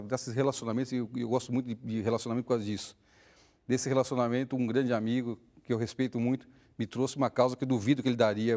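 A man speaks at a fairly quick pace against a quiet background. His intonation stays fairly even. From São Paulo, Brazil. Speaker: entrepreneur; interview guest. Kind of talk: interview. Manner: halting. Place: studio. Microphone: lapel.

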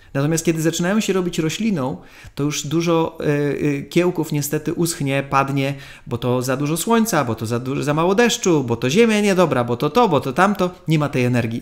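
In an ordinary speaking voice, a man talks at a fairly quick pace with a fairly high pitch and lively intonation. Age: 40s. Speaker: raw vegan diet educator. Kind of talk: interview.

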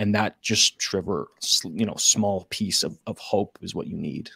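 This man talks at a fairly slow pace in a fairly low pitch, with an ordinary speaking voice. The recording is very clean with a silent background, and the sound is dry and close with no echo. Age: 20s. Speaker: YouTuber making comic analysis videos. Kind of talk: casual interview chat.

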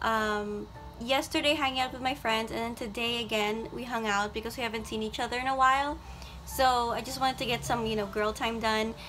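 Clear music plays in the background as a woman talks at a fairly quick pace. Her intonation stays monotone and flat. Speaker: book vlogger. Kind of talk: casual vlog chat. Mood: slightly down. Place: home room. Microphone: phone near.

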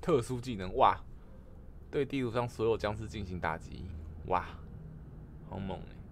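In an animated tone, a man speaks at a fairly low pitch with ordinary pitch variation. He takes long, frequent pauses. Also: moderate pace. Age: 30s. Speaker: game streamer. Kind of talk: live gameplay commentary with chat. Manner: animated, exclamatory.

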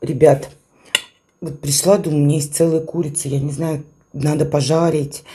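Monotone, flat intonation broken up by long, frequent pauses. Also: woman. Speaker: children's hospital nurse. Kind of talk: casual mukbang talk to camera. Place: home room. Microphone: phone near.

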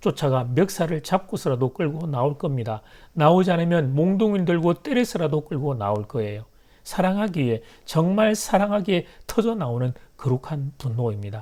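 Pitched fairly high, a man with a dark, mellow tone makes very wide pitch swings at a moderate pace in a very clean recording with a silent background. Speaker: pastor. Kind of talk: sermon.

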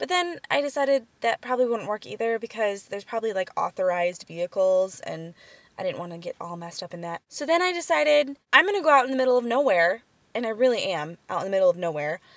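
A woman at a very fast pace, with very wide pitch swings and big swings in loudness, in a dry sound with no echo over a quiet background. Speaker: vlogger. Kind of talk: casual vlog chat. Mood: playful, slightly nervous. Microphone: phone near.

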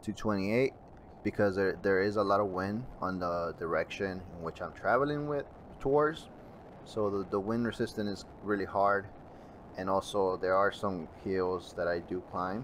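An unremarkable speaking voice moves at a moderate pace with ordinary pitch variation. Light background noise can be heard. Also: man. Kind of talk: casual vlog chat.

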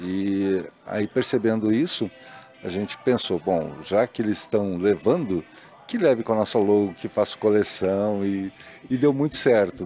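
Faint music plays behind a man who speaks fairly slowly at a fairly low pitch, with ordinary pitch variation and a dry sound with no echo. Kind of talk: interview answer. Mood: relaxed, smiling. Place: bar. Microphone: handheld.

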